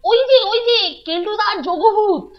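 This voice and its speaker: A woman's voice: very high-pitched, moderate pace, lo-fi sound. A woman voicing a watchful, plotting young schoolboy in a children's cartoon. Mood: tattling. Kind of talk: Bengali children's cartoon voice acting. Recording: loud music behind the voice.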